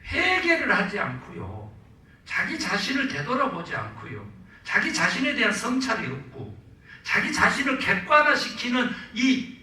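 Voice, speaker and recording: A man, a Korean pastor, preaching a sermon with animated delivery, acting out quotes and calling for amens. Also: high-pitched. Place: church sanctuary. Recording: very echoey church, mic at a distance.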